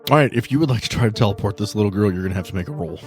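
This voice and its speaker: A man's voice: on the low side, lively intonation, rapid-fire, a little mellow, soft background music. A man running a tabletop roleplay game as game master, narrating to the players and explaining rules conversationally. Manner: conversational, second-person narration.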